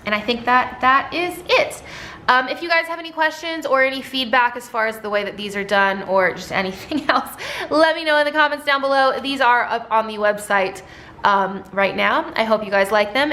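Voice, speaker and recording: A woman talking casually through her new sticker designs, chatty and rambling, with a slightly hoarse voice. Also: on the high side, normal speed, pushed and bright, a little hiss or hum. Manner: chatty, rambling, many ums and likes. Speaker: sticker shop owner and designer. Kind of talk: casual product walkthrough.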